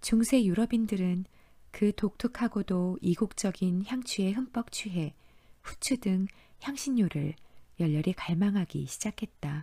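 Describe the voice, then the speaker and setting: A somewhat breathy voice with a dark, mellow tone and a calm, soothing tone moves at a very slow pace with ordinary pitch variation. The recording is very clean, with a silent background and a dry, close sound with no echo. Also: woman, medium pitch for a woman. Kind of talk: audiobook reading.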